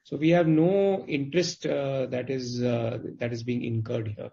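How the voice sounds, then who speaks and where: A man speaking as a company executive on an earnings call, explaining things in a halting, qualified way over conference audio. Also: medium pitch, fairly even intonation, creaky, mellow. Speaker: company executive answering investors' questions. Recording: dull, band-limited conference call audio.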